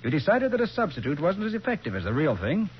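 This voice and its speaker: An American actor playing a confident, sharp private detective in a 1940s radio crime drama, with an assertive, explanatory manner. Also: male voice, fairly high pitch, huge pitch swings, fast talker, slight background noise. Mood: confident, accusing. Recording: dull 1940s radio recording.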